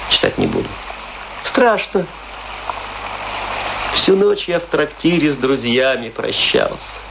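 A man's voice: lowish voice, creaky, background noise, heavily acted. An actor in a radio play voicing a chatty, morbidly wry man with an ironic, theatrical delivery full of rhetorical questions. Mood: spooked, wry, then bitter, ironic. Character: chatty, morbidly wry man musing over death and graves. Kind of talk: theatrical radio play monologue, conversational Russian storytelling.

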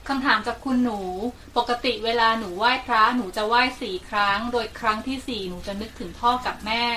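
A woman's voice: fairly high pitch, steady tone, fairly quick, bright, forceful tone. A woman politely reading out questions sent in by listeners. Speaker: reader of submitted questions. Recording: distant mic with faint noise.

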